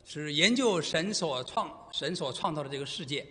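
A middle-aged man preaching a sermon in short phrases, pausing for his interpreter. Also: a little high, animated, sharp tone. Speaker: guest preacher. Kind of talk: sermon in Mandarin with live interpretation. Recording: long reverb of a church hall.

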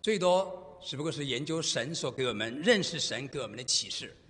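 A middle-aged man preaching a sermon in short phrases, pausing for his interpreter. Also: medium pitch, lively intonation, fairly bright tone. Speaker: guest preacher. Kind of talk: sermon in Mandarin with live interpretation. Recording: long reverb of a church hall.

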